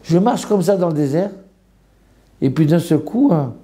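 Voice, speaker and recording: A man's voice: fairly high pitch, lively intonation, moderate pace, warm tone. A man, a rabbi, telling a dramatic story in a sermon and acting out the people in it. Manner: dramatic storyteller, voicing characters.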